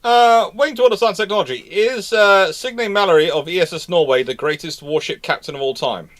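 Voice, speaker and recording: A man's voice: sits high, brisk, a bit bright. A man hosting a casual live history discussion, telling stories emphatically in a rambling, self-correcting way. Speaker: livestream host and naval historian.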